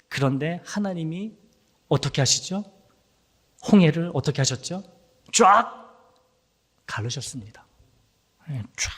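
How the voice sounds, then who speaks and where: A man's voice: on the high side, fairly bright tone, slightly rough. A man preaching a sermon as pastor, acting out quoted voices and sometimes dropping to a whisper. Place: church sanctuary. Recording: long hall reverb.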